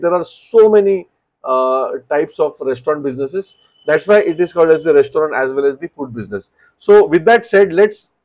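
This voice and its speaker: An animated man in his thirties speaks with an Indian English accent, his voice sitting a little high for a man as he coaches restaurant owners. He talks straight to a desk webcam in a small room, restarting and repeating phrases as he explains. The sound is slightly dull and lo-fi. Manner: animated, gestures with both hands, repeats words while explaining. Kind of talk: direct-to-camera advice talk. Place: small indoor home office.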